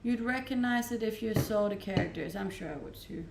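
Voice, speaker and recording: A Danish-accented woman from Denmark talks comfortably on a livestream from her rented home, reading viewers' comments aloud, replying, and laughing often. Her creaky, mid-range voice is a little fast, heard with roomy echo over background noise.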